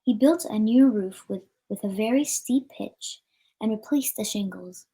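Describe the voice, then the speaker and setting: A woman's voice: mid-range voice, measured pace, mellow. A woman reading a children's story aloud as a storyteller, with an occasional stumble over the words.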